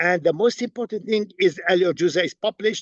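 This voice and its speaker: A man speaks with an Arabic accent at a high pitch. His pitch variation is ordinary. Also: dry, close sound with no echo. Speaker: professor. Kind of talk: lecture.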